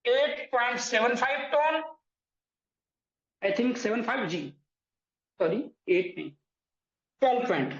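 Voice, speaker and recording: A man's voice: very high-pitched, sing-song, slow, long pauses, fairly bright tone. A man presenting and explaining an earning plan to viewers, often calling them friends and correcting his own figures as he goes. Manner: repeatedly addresses listeners as friends, corrects himself on numbers. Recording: echoey room, dull lo-fi sound.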